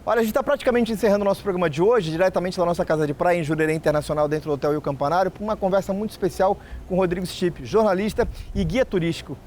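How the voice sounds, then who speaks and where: A man hosting a talk show, asking the questions and reading sponsor lines in a smooth presenter tone. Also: high-pitched, a little mellow, slight background noise. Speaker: show host. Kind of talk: interview and broadcast hosting.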